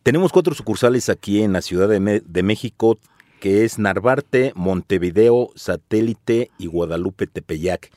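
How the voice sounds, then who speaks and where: Mexican male co-host, low and warm, pushes promotions in a chummy pitch, dry studio sound. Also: animated, normal speed, no room sound. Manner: salesy, repeats the phone number, chummy. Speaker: co-host giving phone number and promotions. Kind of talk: promotional radio talk.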